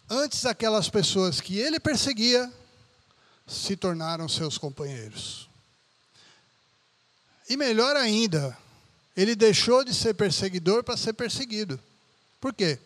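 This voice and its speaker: A man delivers a sermon in a relaxed, conversational way. He keeps checking in with his listeners through frequent tag questions. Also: high voice. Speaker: pastor.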